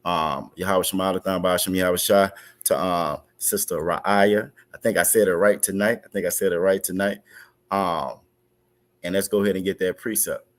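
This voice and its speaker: A man teaching an online religious class over a video call, halting, with many fillers and restarts. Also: sits low, fairly even intonation.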